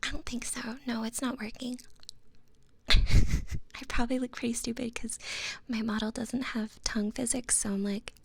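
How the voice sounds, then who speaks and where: A woman's voice: fairly high pitch, fairly even intonation, normal speed, creaky, pauses often, breathy edge. A woman streamer whispering playfully and teasingly to her chat, close to the microphone. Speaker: VTuber streamer. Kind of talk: whispered ASMR-style live stream chat.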